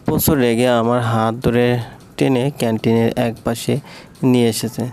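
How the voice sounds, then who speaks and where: A man narrating a romantic story aloud in a steady, even storytelling manner. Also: mid-range voice, moderate pace.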